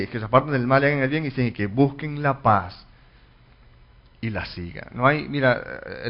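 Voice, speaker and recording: A pastor teaching a Bible study, reading verses aloud and explaining them with frequent restarts. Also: male voice, mid-range voice. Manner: reads scripture then explains, many restarts and fillers. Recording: dull lo-fi recording.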